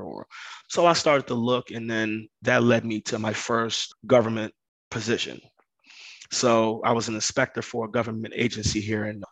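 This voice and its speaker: This Ghanaian man, a construction business owner from West Africa, speaks as a podcast guest, earnestly recounting his story in a conversational tone and repeating phrases to stress his points. His voice sits lowish and fairly bright. The audio is poor but has no echo.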